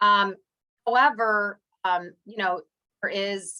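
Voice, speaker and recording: A woman speaks with an American accent and a bright, sharp tone. Her pitch varies in an ordinary way. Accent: slight accent, once likened to New York. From Northeast Ohio. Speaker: workshop presenter. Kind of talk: training workshop. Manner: fast; conversational, hesitant fillers.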